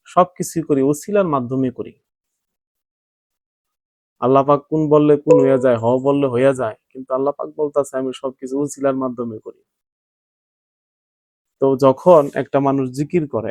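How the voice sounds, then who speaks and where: A man's voice: medium pitch, dry recording. Give me a male Sufi preacher who asks and answers his own questions. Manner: explains by asking and answering his own questions, then chants in a rising rhythm. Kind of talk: informal religious talk.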